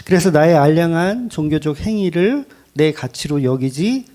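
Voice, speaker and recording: A male pastor preaching a sermon in a church, his pitch swinging widely as he drives his points home. He keeps asking rhetorical questions and repeating key phrases for emphasis, in a warm, mellow voice that sits a little high. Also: animated, normal speed.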